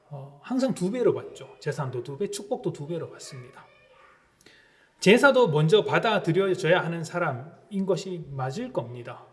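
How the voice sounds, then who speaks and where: A male pastor preaching a sermon in church. His voice sits a little high and swings widely in pitch. He slows down and lifts his voice when quoting, which gives the talk a dramatic pull. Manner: preaching with lively rises and dramatic slowed quotations.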